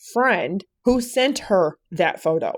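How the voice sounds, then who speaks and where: A woman talks at a fairly slow pace with a Michigan accent. The recording is very clean, with a silent background. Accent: Michigan Northern Midwestern. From Michigan, US Midwest. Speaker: true crime commentary YouTuber. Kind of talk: commentary rant. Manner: animated.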